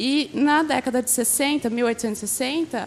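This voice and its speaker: Her voice sits high for a woman and shows ordinary pitch variation. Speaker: graduate researcher presenting at academic conference. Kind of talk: conference presentation. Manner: soft-spoken.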